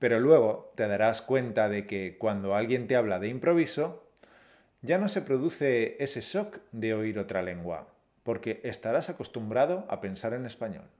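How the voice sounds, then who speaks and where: Steady Spanish teacher man. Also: lowish voice, normal speed. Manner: steady, explanatory, encouraging. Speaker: Spanish teacher, podcast co-host. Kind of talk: scripted lesson.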